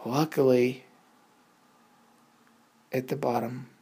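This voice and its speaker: A woman's voice: a bass voice, steady tone, takes it slowly, mellow, slightly rough. A woman telling a suspenseful bedtime story for children in a dramatic, improvised way, repeating words for effect.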